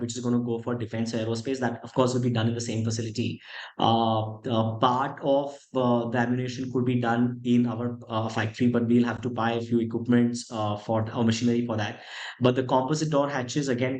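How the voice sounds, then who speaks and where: An Indian-accented man speaks as a company executive fielding questions on a call. His voice sits at a middle pitch and he explains things in a measured way. The room around him is noticeably echoey. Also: darkish tone. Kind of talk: conference call question and answer.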